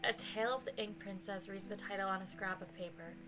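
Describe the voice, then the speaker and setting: A woman's voice: medium pitch, fairly even intonation, quick pace, noisy background. A woman hosting a game video, switching between reading narration aloud and playful casual commentary. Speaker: gaming video host. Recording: background music under the voice.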